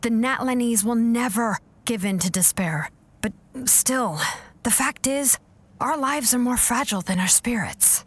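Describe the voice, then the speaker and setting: A woman's voice: a little high, breathy edge. A woman playing a weary but determined young tribal warrior in a video game, speaking earnestly. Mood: resolute, solemn. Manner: earnest, halting when shaken.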